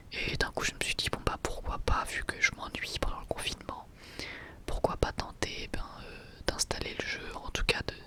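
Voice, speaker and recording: A man speaking in a soft, breathy ASMR whisper, gently addressing viewers as a video creator.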